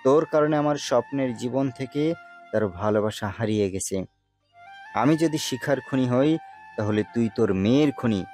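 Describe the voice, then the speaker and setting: A man's voice: medium pitch, moderate pace, a little mellow, soft background music, lightly acted. A man playing an embittered accuser in an audio story, speaking with intense reproach. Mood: bitter accusation. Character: man bitterly condemning another over lost love. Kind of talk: dramatized audio story acting.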